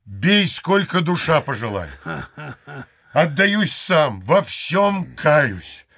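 An actor playing a brash young village blacksmith in an audio play, theatrical and drawn-out in delivery. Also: male voice, a little high, sing-song, sharp tone, dry recording, studio quality, heavily acted. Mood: pleading, humble. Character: brash young village blacksmith, mocking, then humbly pleading.

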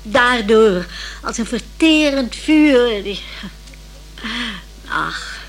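High-voiced, wistful older lady. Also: expressive, drawn-out words, exaggerated voice. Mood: wistful, romantic. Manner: hesitant, rambling, sighing over modern youth. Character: chatty old-fashioned older lady, romantic and wistful. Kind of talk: naturalistic radio play dialogue.

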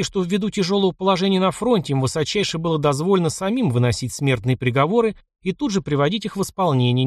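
A man narrating an audiobook with a measured, expressive reading at a middle pitch. The sound is dry and close, with no room echo.

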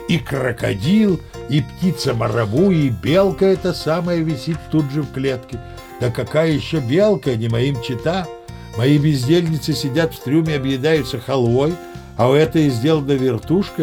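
Brief: an old captain spinning tall tales, mid-range chatty voice, soft music behind. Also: male voice, medium pitch, vocal fry. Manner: chatty, confiding, old-fashioned courtesy. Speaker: narrator. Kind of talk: audio play narration.

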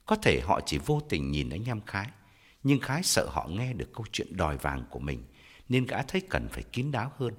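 A man reading a story aloud in a dramatic style, expressive and shifting to loud angry character voices. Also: on the low side, a little fast, breathy edge. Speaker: audiobook narrator. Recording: long hall reverb with faint music.

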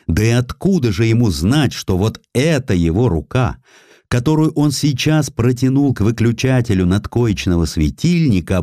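A man with a low, mellow voice reads historical prose as an audiobook narrator. His phrasing is deliberate and theatrical, with wide expressive swings in intonation. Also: dry recording, clean studio sound.

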